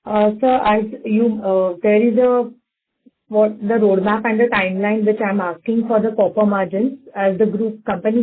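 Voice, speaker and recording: A woman asking wordy, haltingly phrased questions as an analyst on an investor call. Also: mid-range voice. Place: conference phone call. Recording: thin phone line with faint noise.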